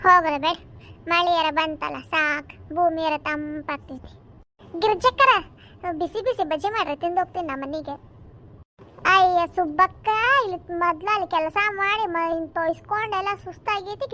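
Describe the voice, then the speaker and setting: A woman voicing gossipy village women in a cartoon comedy, trading quick scolding banter in a North Karnataka accent. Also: very high-pitched, pushed and bright. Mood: bickering. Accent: North Karnataka Kannada.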